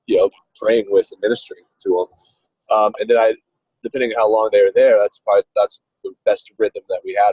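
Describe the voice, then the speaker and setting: A man's voice: fairly low pitch, a little mellow, breathy edge, no echo. A man talking casually on a car speakerphone while driving, a ministry coach who explains with a rambling manner and many restarts. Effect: car speakerphone on a call. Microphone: phone on a video call. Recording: dull, lo-fi call audio.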